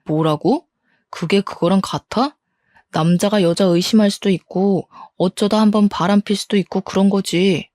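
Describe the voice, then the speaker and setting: A woman's voice: mid-range voice, steady tone, moderate pace, a little mellow, no echo, studio quality, close to an everyday voice. A woman voicing a defensive, scornful cheating husband in a story reading. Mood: angry. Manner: defensive, scornful, blame-shifting. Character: angry cheating husband, middle-aged man. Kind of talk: storybook role-play.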